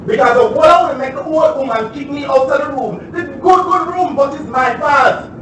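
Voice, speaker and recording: A scornful, proud young trans woman with a Jamaican accent, played by a male actor, high-pitched and biting in every jab. The voice sits far from the mic in a very echoey space, with clear noise behind it, like a recorded stage performance. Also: normal speed, a bit bright. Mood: aggrieved. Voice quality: biting, mocking delivery. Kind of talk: stage play excerpt.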